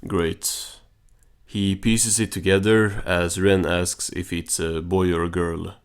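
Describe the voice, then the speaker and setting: A man's voice: deep voice, flat delivery, slow. A man giving a casual recap and commentary on a cartoon episode in a dry, understated way. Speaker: video reviewer and narrator.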